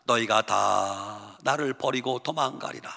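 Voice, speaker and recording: Preacher reads Jesus: calm, solemn and commanding, slightly lower and in a big hall. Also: male voice, a little slow, gravelly, full character voice. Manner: low and solemn in old scriptural phrasing.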